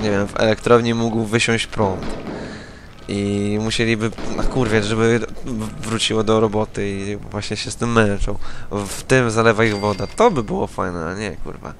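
A man's voice: lowish voice, background noise. A young man with a Polish accent giving sarcastic, profane let's-play commentary as he plays a game. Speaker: gaming YouTuber.

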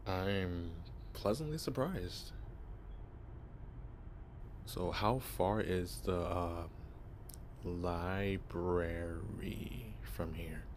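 A man's voice: sits low, very slow, pauses often, slight background noise. A man voicing a shy, clueless young male vampire posing as human in an ASMR roleplay, stammering and apologizing. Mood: awed curious.

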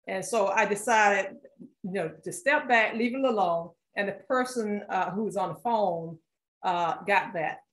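A woman's voice: medium pitch, a little slow, echoey room, poor audio. A woman art collector from Philadelphia, talking casually as a guest at an author talk, with many fillers and restarts. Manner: chatty, many fillers and restarts, laughs often.

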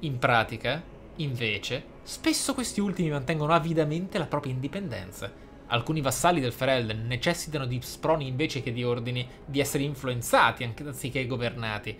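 A man with a mid-pitched, fairly bright voice reads journal text from a video game aloud, measured and slightly theatrical, like a gaming YouTuber doing a roleplay playthrough. Light game ambience sits behind him.

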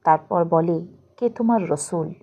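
A woman's voice: on the low side, unhurried, warm tone, voice pushed down. A woman voicing a talkative, pious poor husband who explains things in colloquial rustic dialect in an audio story. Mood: preachy, earnest.

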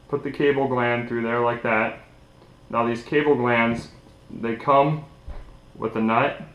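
A young DIY tutorial host with a medium-pitched, fairly bright voice gives a casual hands-on demonstration. He sits at a table in a small indoor room, and the recording echoes.

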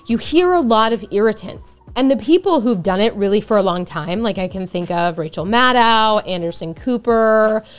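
A woman coaching viewers on speaking on camera, chatty and enthusiastic, with a natural touch of vocal fry. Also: mid-range voice, lively intonation, moderate pace, few pauses, faint music behind. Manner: chatty and enthusiastic, gushing asides. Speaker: video presence coach. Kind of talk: casual teaching to camera.

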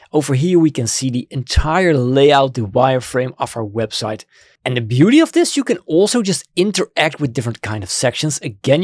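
A man in his thirties whose first language is Dutch, hosting a screen-recorded software tutorial with lively enthusiasm, on a studio microphone in a home studio. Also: slightly rough, no room sound. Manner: enthusiastic, quick swings between excited highs and low asides. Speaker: web design tutorial host. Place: home studio room with colored lights. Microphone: studio mic on stand in front.

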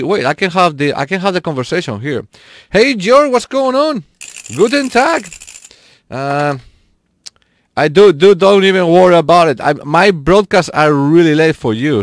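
Male streamer, casual and chatty with viewers, slightly high voice, dry close sound. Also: no room sound. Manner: chatty, laughs often, talks straight to chat viewers. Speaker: live streamer. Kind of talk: casual live-stream chat while gaming.

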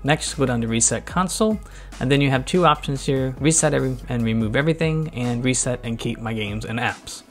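A man's voice: medium pitch, brisk. A man giving plain, step-by-step instructions as a voice-over for a screen recording. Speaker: tutorial narrator. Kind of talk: screen-capture voice-over walkthrough. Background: faint background music.

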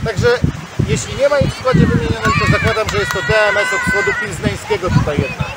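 A high, very lively man from Poland talks with a glass pressed to his lips, casual and opinionated as he reviews a beer for his viewers. He is recorded outdoors by the sea on a tripod camera. Loud wind and traffic noise run under his voice. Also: fairly quick, a loud crowd. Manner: chatty, opinionated, addresses viewers directly. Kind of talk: casual vlog beer tasting. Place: outdoors by the seaside.

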